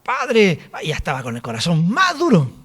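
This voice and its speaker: A man's voice: high voice, moderate pace. A man preaching a sermon and telling a personal testimony, acting out the dialogue as he goes. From Chile. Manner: storytelling, animated, acts out dialogue. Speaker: apostle preaching.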